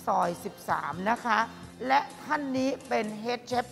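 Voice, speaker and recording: A woman in her forties hosting a restaurant food show, chatty and sweet, talking with the chef in a bright dining room. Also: fairly high pitch, a little slow, gravelly, faint music behind. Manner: chatty, sweet, ends with polite particles.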